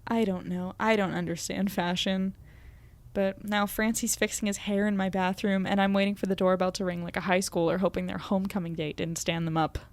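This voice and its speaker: A woman's voice: medium pitch, level tone, brisk, natural voice. A woman playing an earnest, self-deprecating young podcaster, chatty and descriptive as she narrates her evening in an audio drama. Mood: anxious, chatty.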